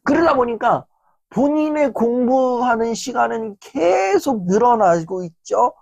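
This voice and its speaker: A man giving a motivational lecture, telling school stories in an animated way with many fillers. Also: very high-pitched, unhurried, gravelly, dry recording. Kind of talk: lecture storytelling.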